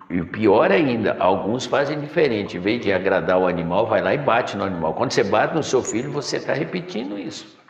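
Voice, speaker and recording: The voice is fairly low with vocal fry, and the recording sounds muffled. A middle-aged spiritual teacher preaches from a chair in a decorated room, calling listeners "my son," recorded from a far camera in an echoey room with long reverb.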